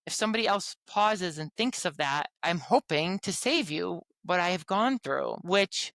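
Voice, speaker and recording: A woman guest on a podcast, telling her own story in a frank, expressive way. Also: on the low side, measured pace, creaky, no echo. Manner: frank, expressive, lively retelling. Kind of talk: candid personal storytelling.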